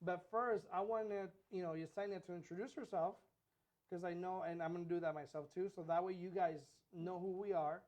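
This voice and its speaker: A man co-hosting a casual podcast as a real estate agent, relaxed and chatty with many fillers. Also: high voice, a little fast. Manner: relaxed, repeats himself, filler-heavy.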